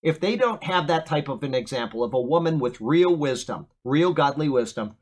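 A man's voice: fairly high pitch, expressive, moderate pace. A man, preaching a casual sermon and often checking in with his listeners. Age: 50s. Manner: conversational, keeps asking "okay?". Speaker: pastor.

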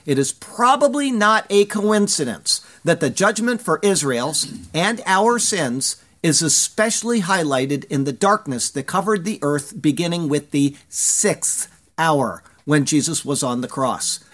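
Measured, emphatic male preacher. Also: on the high side, animated, fairly bright tone. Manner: measured, emphatic reading of scripture quotes. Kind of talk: verse-by-verse Bible sermon.

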